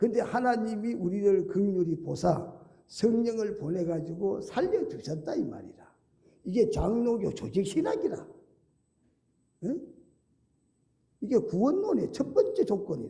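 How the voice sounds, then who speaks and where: A high-pitched man's voice in a Gyeongsang accent, dark and mellow in tone, with lively intonation, a fairly slow pace, long, frequent pauses and audible room echo. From Gyeongsang region, Korea. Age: old. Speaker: retired senior pastor. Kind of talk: sermon. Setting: church.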